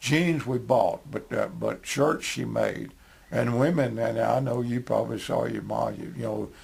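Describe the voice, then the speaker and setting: A man's voice with a rural Texas accent, over noticeable background noise. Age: 80s+. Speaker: oral history interviewee. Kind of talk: oral history interview. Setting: recorded interview.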